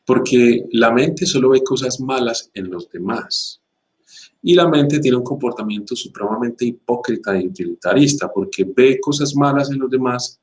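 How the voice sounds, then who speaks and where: A man giving an emphatic, rhetorical spiritual talk, stacking repeated phrases and then slowing to a calm pace to guide a meditation. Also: mid-range voice, poor audio. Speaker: spiritual teacher.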